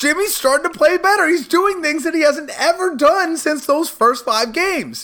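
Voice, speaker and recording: A raised, projected man's voice with an American accent, a bright, sharp tone, and ordinary pitch variation. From Portland, Oregon. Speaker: sports writer. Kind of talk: casual chat. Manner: animated.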